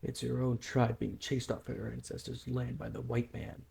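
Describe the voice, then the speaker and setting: A man's voice: mid-range voice, little pitch movement, normal speed, gravelly, dark tone, a little hiss or hum. A man voicing an angry, accusatory tribal horseman in a dramatic manga dub. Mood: indignant, accusing. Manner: accusatory, exclaiming. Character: angry tribal horseman pursuing an outcast, indignant and astonished.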